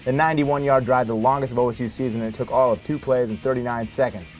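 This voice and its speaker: Guy narrating sports highlights, mid pitch, punchy n wry, rattles off stats, music underneath. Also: steady tone, fast talker. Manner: punchy, wry, packed with statistics. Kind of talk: scripted sports highlights voice-over. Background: music bed under the voice.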